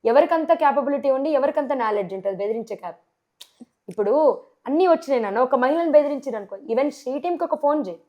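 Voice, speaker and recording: A woman with a Telangana Telugu accent, a sarpanch candidate answering in a TV interview, forceful and full of rhetorical questions. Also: high-pitched, expressive, quick pace, lo-fi sound.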